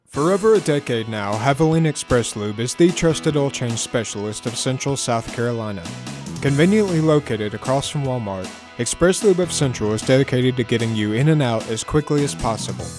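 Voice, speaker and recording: A man's voice: medium pitch, animated, fairly quick. Young man reading radio spots over music. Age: young adult. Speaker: media student and radio announcer. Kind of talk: scripted radio commercial narration.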